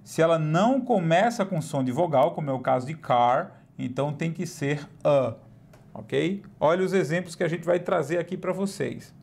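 A man teaching English in a recorded online lesson, explaining slowly and repeating each example word. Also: fairly high pitch, gravelly, darkish tone, slightly rough.

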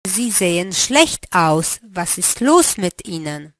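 Female teacher voice, unhurried and precise, dry studio sound. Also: lowish voice, sing-song, dry recording. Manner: slow, carefully articulated prompting. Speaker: language teacher. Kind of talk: language lesson drills.

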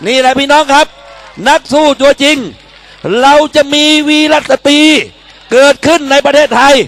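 A man's voice: extremely high pitch, little pitch movement, normal speed, a bit bright. A man speaking at a political rally, declaiming in short, emphatic phrases as he urges people to back a candidate. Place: public campaign rally in Thailand.

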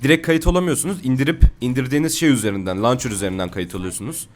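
Fast-talking young man streaming a game. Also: mid-range voice, a little hiss or hum. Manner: fast, swearing, mock-angry outbursts. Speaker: gaming streamer. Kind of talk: casual gameplay commentary.

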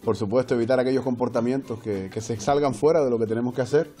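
Fast, mellow-voiced Canarian man. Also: mid-range voice, steady tone, faint music behind. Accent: Canarian Spanish. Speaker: guest folk poet. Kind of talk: conversational interview by video link. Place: home room with books and drum. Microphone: earphone mic on video call.

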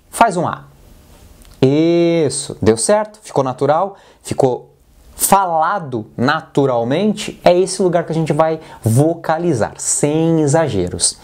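A man with a Brazilian Portuguese accent teaching a singing lesson, coaching in a direct, playful way and demonstrating sounds. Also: a little high. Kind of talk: vocal lesson with exercises.

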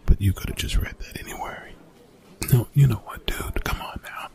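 A man playing a young college bully in an ASMR roleplay, gruff, defensive and grudgingly apologetic, in hushed, breathy, exasperated slang with swearing. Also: moderate pace, lightly acted. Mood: dismissive, reluctant. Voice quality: whispered, breathy, gravelly low voice.

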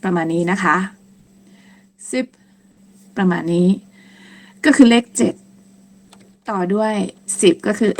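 A woman teaching a lesson on German numbers, speaking slowly and patiently and repeating each word several times. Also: mid-range voice, darkish tone. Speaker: language teacher.

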